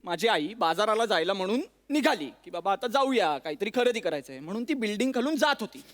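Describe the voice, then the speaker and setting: An actor playing an exasperated young newlywed son-in-law in a stage comedy sketch, complaining and pushing to be heard. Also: male voice, high voice, sing-song, fast. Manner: complaining, keeps interrupting to be heard. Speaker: comic actor. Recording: loud background noise.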